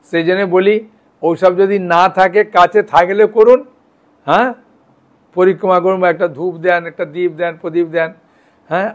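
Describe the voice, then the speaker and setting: A man giving a devotional lecture as a monk. He talks in a conversational, reassuring way and often checks in with his listeners. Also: sits high. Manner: conversational, reassuring, checks in with "hyan" and "thik ache".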